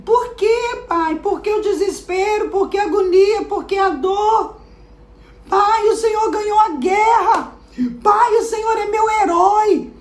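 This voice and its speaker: A woman preacher voicing a joyful young daughter who talks in excited, pleading bursts. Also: a little slow, roomy sound. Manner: excited and pleading, high rising questions.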